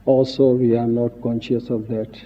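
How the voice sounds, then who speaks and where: A man giving a solemn devotional speech as a spiritual teacher, in halting short phrases with long pauses. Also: mid-range voice, little pitch movement, slight background noise. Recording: muffled 1950s archive recording, reverberant hall, phone-like.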